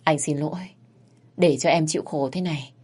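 A woman voicing a gentle, protective young husband who speaks softly and soothingly. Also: low voice, steady tone, moderate pace, breathy edge. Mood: tender. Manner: soft, soothing.

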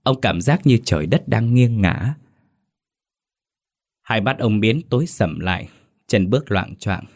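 A man narrating a scripted ghost story in a steady, even manner. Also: on the low side, unhurried, pauses often.

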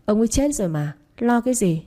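A woman's voice: on the high side, expressive, fast talker, dark tone, voice pushed up. Casting: woman reading a shameless stepmother, mocking and wheedling, storybook read.

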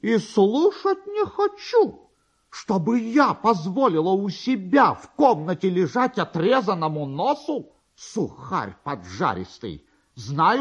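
A man's voice: slightly rough, muffled recording, full character voice. A man voicing a furious, shrewish barber's wife who scolds and abuses her husband in a literary story. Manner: shrill, scolding, abusive.

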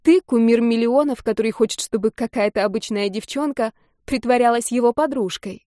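A woman reading the part of a stubborn young woman who pleads, close to tears, her voice climbing higher. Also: a little mellow, no echo.

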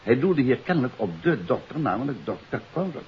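An actor playing a confident detective who explains a case in an assured, emphatic way, in 1950s radio drama style. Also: male voice, medium pitch, very animated, a little fast, close to an everyday voice. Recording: dull, hissy 1950s radio recording.

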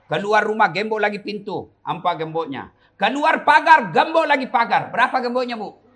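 A man's voice: high voice, expressive, moderate pace, fairly bright tone. A middle-aged man, preaching a humorous sermon to young people with joking asides and rhetorical questions.

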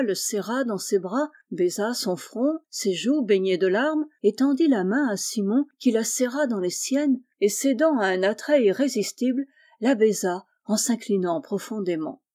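Calm woman reading a classic novel. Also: mid-range voice, normal speed. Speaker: audiobook reader. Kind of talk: storybook narration.

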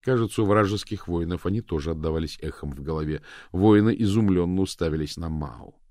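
A man reading an adventure novel aloud as narrator, expressive and raising his voice for the characters' shouts. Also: low voice, brisk, dry recording, studio quality. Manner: expressive, raises voice for shouted lines. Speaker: audiobook narrator.

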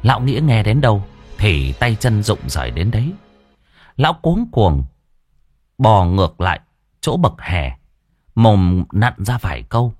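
Guy telling a ghost story, husky, pitch swings all over. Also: sing-song, unhurried, darkish tone, no echo, soft background music.

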